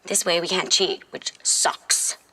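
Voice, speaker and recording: A woman's voice: fairly low pitch, little pitch movement, slow, pushed and bright, husky, exaggerated voice. A woman playing a sassy, world-wise fifteen-year-old girl from the future in an audio drama, with casual, sarcastic phrasing. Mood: confident, teasing. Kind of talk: audio fiction drama acting.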